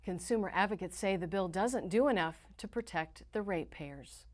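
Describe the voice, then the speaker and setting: A woman's voice: on the low side, normal speed. A woman with an American accent reading scripted news in a formal, emphatic newsreader delivery. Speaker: news reporter and anchor.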